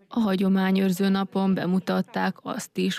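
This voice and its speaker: Over noticeable background noise, a woman speaks at a fairly slow pace in a medium-pitched voice. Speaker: TV news reporter. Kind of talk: news narration.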